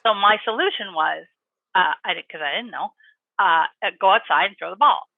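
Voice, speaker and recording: A woman's voice: mid-range voice, fairly quick, gravelly, dry recording. Woman guest on a tinny, dry call. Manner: chatty, animated, laughs easily. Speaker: dog trainer and author. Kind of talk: interview guest, casual chat.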